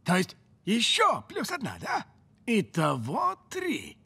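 A gruff, excitable cartoon character. His voice is high and gravelly, swinging widely in pitch, with faint noise behind it. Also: takes it slowly, heavily acted. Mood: puzzled. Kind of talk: animated cartoon voice acting.

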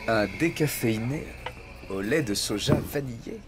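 A man's voice: medium pitch, expressive, moderate pace, noisy background, natural voice. An actor dubbing a courteous former army man in his thirties, now a driving instructor, talking in a polite, earnest way. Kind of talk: French dub of a TV film.

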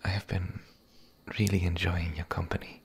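A man voicing a gentle, playful male werewolf in an ASMR roleplay, speaking softly and intimately, often in a whisper. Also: sits low, flat delivery, slight background noise. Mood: tender, content. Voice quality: husky, breathy, gravelly. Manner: soft, intimate, halting.

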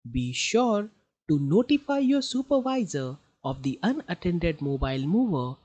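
Male narrator for e-learning module: animated intonation, somewhat husky, instructional and deliberate. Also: sits high. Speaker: voice-over artist.

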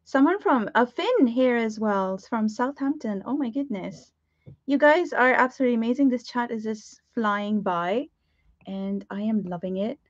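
A woman in her thirties from Pakistan with a Pakistani English accent, chatting warmly with live viewers as she hosts a craft lesson from her home studio, filling her talk with ums and quick laughs. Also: a little high, no room sound. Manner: bubbly, greets viewers, frequent laughs and fillers. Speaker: art teacher hosting a live stream. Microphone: webcam at desk. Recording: dry, slightly dull webcam audio.

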